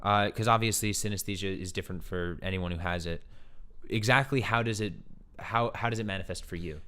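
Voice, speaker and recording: A man's voice: deep voice, fairly quick, sharp tone, smooth. A man hosting a podcast, moving between upbeat scripted narration and casual interview questions. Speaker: podcast host.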